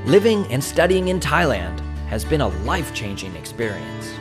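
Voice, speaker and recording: A man's voice: mid-range voice, sing-song, moderate pace. A man reading an upbeat scripted promotional voice-over. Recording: voice-over with guitar music.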